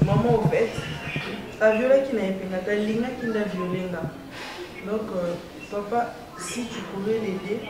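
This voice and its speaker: An actress with a Congolese accent playing an outspoken, insistent grown daughter in a family drama. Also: female voice, mid-range voice, fairly even intonation, moderate pace, over music, lightly acted. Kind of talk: acted family drama dialogue. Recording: echoey room with clear background noise.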